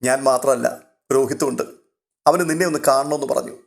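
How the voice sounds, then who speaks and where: A man playing a grave, gentle middle-aged father worn by regret, speaking calmly and low while softly explaining. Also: brisk, creaky, natural voice.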